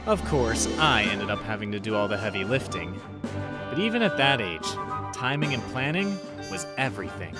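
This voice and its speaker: A man acts out a suave raccoon master thief with a lively, swinging delivery. He is cocky, teasing and flirtatious, like a comic-book rogue, over music. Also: lowish voice, normal speed. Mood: wry nostalgia. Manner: smooth, teasing, self-assured. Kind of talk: fan-dub comic narration and dialogue.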